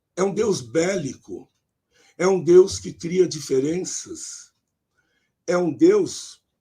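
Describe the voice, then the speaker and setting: With a dark, mellow tone, a man talks at a very slow pace. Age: 70s. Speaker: Jungian analyst, panel speaker. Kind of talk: panel talk.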